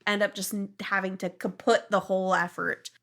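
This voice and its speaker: A woman co-hosting a podcast in casual chat, animated and self-deprecating, swearing freely. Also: mid-range voice, normal speed, vocal fry. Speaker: podcast co-host.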